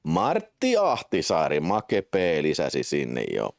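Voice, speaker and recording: Swearing, lively-voiced man streaming a game. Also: no echo, studio quality. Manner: swearing, self-mocking, jumps to excited high-pitched play-by-play. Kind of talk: casual live-stream chat and game commentary.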